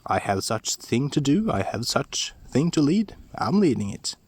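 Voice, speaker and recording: A man voicing a cheerful young farm boy hero, calling out excitedly in a high, sing-song voice. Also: measured pace, breathy edge, no room sound, full character voice.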